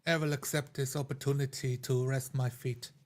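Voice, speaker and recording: A man's voice: medium pitch, flat delivery, normal speed. A man playing a tabletop game, describing his character's actions in the first person.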